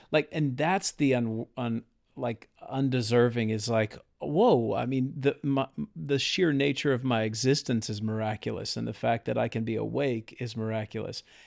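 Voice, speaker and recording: With a quiet background and a dry, close sound free of echo, a man uses a plain, everyday voice at a medium pitch. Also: ordinary pitch variation, moderate pace. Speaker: podcast host. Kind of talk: interview.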